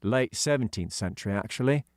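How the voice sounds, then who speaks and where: Earnest schoolboy hero, played by a male narrator, slightly bewildered, pitched up, expressive, children's audiobook. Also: fairly quick, no echo, clean studio sound, lightly acted. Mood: doubtful.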